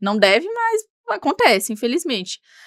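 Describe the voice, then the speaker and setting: With a high pitch and lively intonation, a woman talks at a moderate pace in a dry, close recording with no echo. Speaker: newspaper reporter. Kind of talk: podcast interview.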